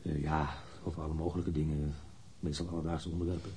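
An actor playing a blunt, candid man in his thirties, a witness answering police questions matter-of-factly in a husky voice in a radio drama. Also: very deep voice, little pitch movement, quick pace, warm tone, exaggerated voice. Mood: blunt, terse. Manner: matter-of-fact, precise, blunt. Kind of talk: radio drama interrogation acting.

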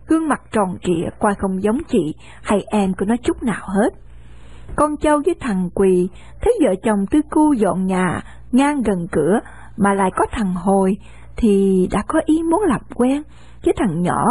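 A woman reading a novel aloud in a steady storytelling manner. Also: mid-range voice, breathy edge. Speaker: narrator.

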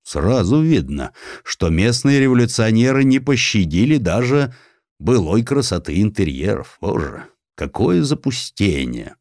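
Male narrator for historical prose: lowish voice, very varied delivery, wry and theatrical, close dry studio sound. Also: sing-song, a little slow, darkish tone, no echo. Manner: wry, theatrical storytelling with acted quotes. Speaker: audiobook narrator. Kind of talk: expressive dramatized narration of historical sketches.

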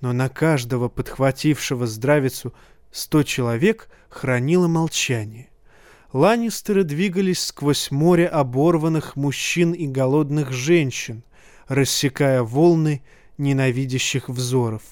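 A man reading a fantasy novel aloud in a steady, measured audiobook narration. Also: mid-range voice, no room sound, clean studio sound.

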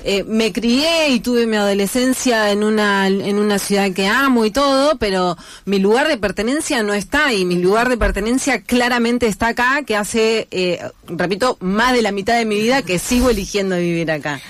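A woman's voice: mid-range voice, normal speed. A woman with a Rioplatense accent, speaking in an earnest, reflective way as a guest in a radio studio. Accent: Rioplatense Spanish. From Argentina. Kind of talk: casual radio conversation.

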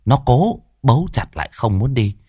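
Husky man narrating a dramatic horror story. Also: mid-range voice, sing-song, moderate pace, dark tone, dry recording, studio quality.

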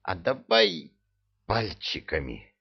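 A man voicing a drunk, boastful immortal male villain in a storybook reading, with a high, excited, bossy delivery. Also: slow, husky, muffled recording, full character voice. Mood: scheming. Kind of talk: audiobook character voice.

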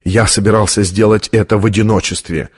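A man's voice: lowish voice, steady tone, a little fast, breathy edge, voice pushed down. Man doing a fervent, unhinged young priest. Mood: trembling fervor. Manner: fervent, voice trembling with strain.

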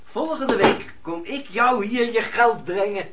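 An actor playing a sly young swindler posing as a friend in a radio drama, hesitant and evasive. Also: male voice, sits high, expressive, slow. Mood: evasive, reassuring. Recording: noisy, distant old radio play.

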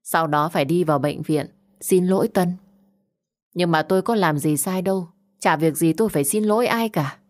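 Female narrator for a first-person audio story, measured delivery, slightly low voice.

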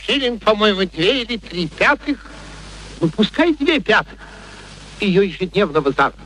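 Bossy impatient professor in an old radio play, sardonic, voice jumps all over, bit of background noise. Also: male voice, sits high, big pitch swings, moderate pace, fairly bright tone, poor audio. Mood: amused, declaiming. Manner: peremptory, sardonic, exclamatory. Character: imperious, eccentric, impatient male phonetics professor, mocking. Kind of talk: theatrical radio play acting.

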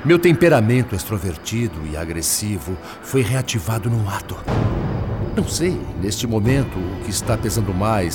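An earnest, pleading spirit father, acted by a man with a Brazilian Portuguese accent, confessing his inner struggle in a radio drama. His lowish voice swings widely in pitch, and faint music plays underneath. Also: natural voice.

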